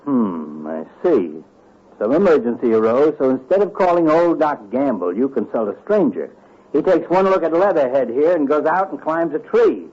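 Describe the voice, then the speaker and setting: An actor playing a sarcastic, bickering older town doctor in an old radio comedy. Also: male voice, medium pitch, big pitch swings, normal speed, a little mellow, husky. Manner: dry, sarcastic. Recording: muffled old radio transcription.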